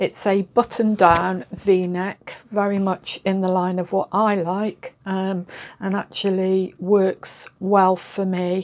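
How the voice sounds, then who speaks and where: A woman with a medium pitch speaks very slowly in a British accent with monotone, flat intonation. The recording is very clean, with a silent background. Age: 60s. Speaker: sewing vlogger. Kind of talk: tutorial. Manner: hesitant with fillers.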